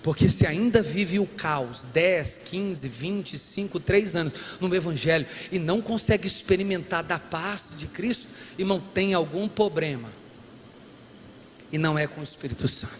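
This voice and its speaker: A man preaching a sermon as a pastor, animated and humorous, acting out bits of dialogue. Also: fairly high pitch, moderate pace. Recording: long hall reverb, faint room noise.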